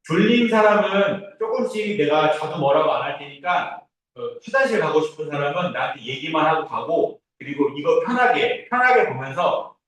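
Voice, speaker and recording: A man's voice: on the high side, lively intonation, moderate pace, fairly bright tone. A man giving an informal, easygoing orientation talk to a class as their instructor, reassuring and often checking that listeners follow. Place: indoor classroom, recorded from a distance. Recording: very echoey room, distant mic.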